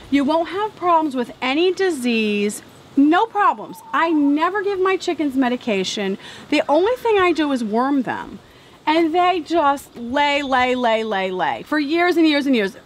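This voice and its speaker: A middle-aged woman giving a casual, hands-on demonstration, emphatic and repeating words to drive points home. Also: high-pitched. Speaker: homesteader and vlog host. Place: outdoors, in an open wooden chicken coop. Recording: outdoor ambient noise. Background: outdoor ambience.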